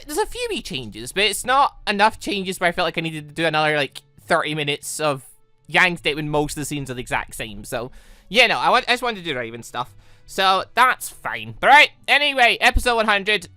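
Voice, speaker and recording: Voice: mid-range voice, big pitch swings, brisk, sharp tone, no room sound, soft background music. A chatty let's-play host, rambling casually and correcting themself mid-thought. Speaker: host of a gaming channel.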